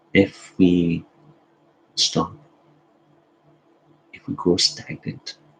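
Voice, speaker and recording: A soft-spoken man is talking. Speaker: entrepreneur vlogger. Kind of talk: casual vlog monologue. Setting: indoors at home. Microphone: laptop.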